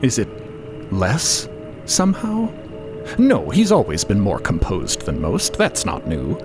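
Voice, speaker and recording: Male narrator, lowish voice, hugely varied intonation, deliberate storytelling, music behind. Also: wildly swooping pitch.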